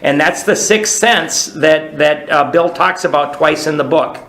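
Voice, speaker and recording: A man shares his recovery story in a rambling, casual way, full of restarts, with a regular "right?" to his listeners. His voice sits a little high and sounds bright and ringing. The room gives it a roomy echo. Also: measured pace, slight background noise. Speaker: recovery speaker. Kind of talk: recovery talk.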